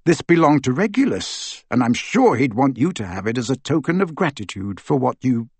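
A man voicing a young wizard, gently coaxing. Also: medium pitch, big pitch swings, moderate pace, slightly rough, no echo. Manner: gentle, hesitant pleading. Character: young male wizard, kind but firm.

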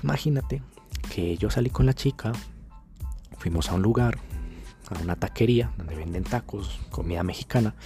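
Young colombian guy telling dating gossip, lowish voice, slangy and repetitive, music faint behind. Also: vocal fry, dark tone. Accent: Colombian Spanish. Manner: slangy, gossipy, repeats phrases for effect. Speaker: dating coach. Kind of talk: casual storytelling to camera.

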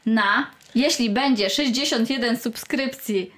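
A woman's voice: fairly high pitch, unhurried, a bit bright. A woman co-hosting a podcast in casual, playful chat, giggly and playfully theatrical. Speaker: podcast co-host.

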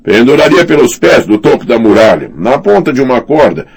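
Man doing a blustering pompous commander, raised pitch, husky, bullying, boastful. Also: sing-song, brisk, heavily acted. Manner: boastful, bullying, talks of himself by name. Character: pompous blustering male commander, middle-aged. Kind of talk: audiobook character reading.

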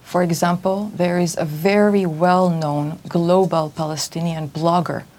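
A woman from Israel, a diplomatic representative, answering interview questions in a measured, firm and formal way. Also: on the low side, steady tone, a little mellow. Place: radio studio.

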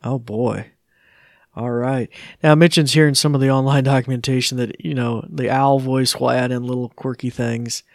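A man talks through a live product demo at a middling pitch. He is informal and a little hesitant, easily amused, and recorded dry and close. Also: steady tone, normal speed, vocal fry, dry recording. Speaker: tech demonstrator.

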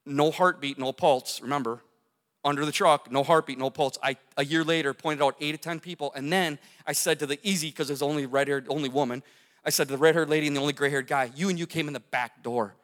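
High-voiced man telling a story in a hall. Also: fairly even intonation, quick pace, a bit bright. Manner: vivid storytelling with gestures, repeats phrases for emphasis. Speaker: speaker telling his near-death story. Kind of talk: testimony talk to an audience. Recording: long hall reverb.

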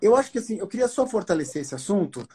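Excitable guest guy, high voice swinging all over, slangy and jokey. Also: quick pace, slightly rough. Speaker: podcast guest. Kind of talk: casual live chat.

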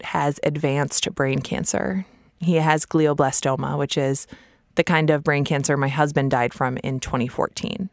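Low-voiced woman hosting a reflective monologue. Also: dry recording, studio quality. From United States. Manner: earnest, wry asides. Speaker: podcast host.

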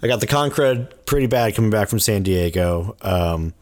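A man co-hosting a podcast in casual chat, hoarse from bronchitis, rambling and correcting himself as he goes. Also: on the low side, expressive, normal speed, a little mellow. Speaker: podcast co-host.

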